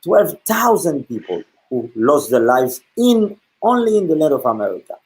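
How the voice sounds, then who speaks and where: A middle-aged man from Haiti, a Catholic priest speaking earnestly about faith, pausing often and filling gaps with "uh". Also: fairly high pitch, very animated, a little mellow, rough recording. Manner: earnest, with many pauses and fillers. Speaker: guest speaker. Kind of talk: reflective talk on faith.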